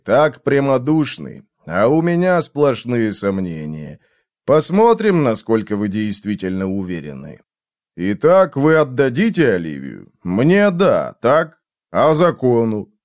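A man reading an audiobook, voicing a tormented, guilt-ridden man in a low, strained, bitterly ironic voice. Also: sing-song, slow, darkish tone, dry recording, studio quality.

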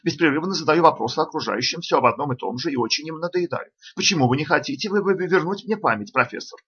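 A man's voice: a little high, quick pace, fairly bright tone, breathy edge, pitched above the performer's own voice. A man voicing a bewildered male patient who has lost his memory, speaking plaintively and stumbling. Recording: dull lo-fi audiobook recording.

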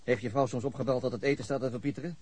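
A man's voice: medium pitch, steady tone, rapid-fire, a little mellow, husky, close to an everyday voice. An actor playing a businesslike lead detective who questions his colleagues in a matter-of-fact way. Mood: brisk. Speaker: police detective. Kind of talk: radio drama acting.

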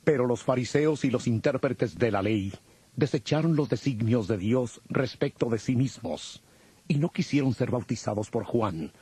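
A man with a husky voice giving solemn scripted narration for a dramatized audio Bible. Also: medium pitch, expressive, normal speed, mellow, no room sound. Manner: solemn storytelling.

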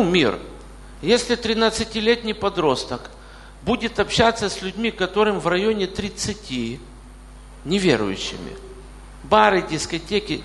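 Male pastor, late 40s, gravelly voice, reverberant hall. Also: high voice, fairly bright tone, a little hiss or hum. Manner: questions the congregation directly. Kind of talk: sermon.

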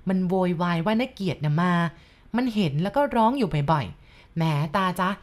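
A woman's voice: on the low side, expressive, normal speed, lightly acted. A woman voicing an anxious young village woman who speaks fretfully.

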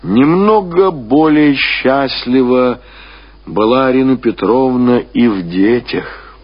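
A man reading classic literary prose as a radio narrator, in a measured, expressive storytelling manner with deliberate phrasing. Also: medium pitch, husky. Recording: dull lo-fi radio recording.

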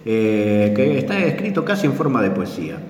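A man from South America hosting a radio talk show, explaining things in a hesitant way with many pauses and fillers. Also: fairly low pitch, big pitch swings, darkish tone. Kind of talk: casual explanatory radio chat. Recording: echoey room with long reverb.

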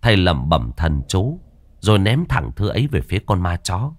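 A man narrating a horror story in an expressive, suspenseful way. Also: sits low, normal speed.

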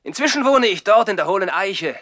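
Proud headstrong boy, higher male pitch, bright edge, self-assured, radio play, dry sound. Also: expressive, a little fast, no room sound. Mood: commanding, secretive. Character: proud, defiant boy, headstrong older brother. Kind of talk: 1960s German radio play acting.

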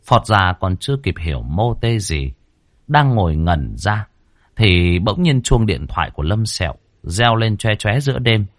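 A man's voice: on the low side, sing-song, measured pace, no room sound, studio quality. A man narrating a horror story in a dramatic, vivid way.

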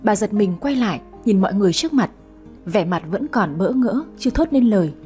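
Brisk and expressive, with a darkish medium-pitched voice, a woman narrates a romance and voices all its characters alone, changing tone for dialogue. Faint music plays behind her.

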